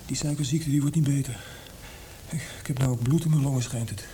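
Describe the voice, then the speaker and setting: An actor in a radio play voicing a gravely ill, melancholy man, speaking weakly and haltingly to a friend. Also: medium pitch, dark tone, slight background noise, lightly acted. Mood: resigned, weak. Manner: wistful, faltering, repeats words.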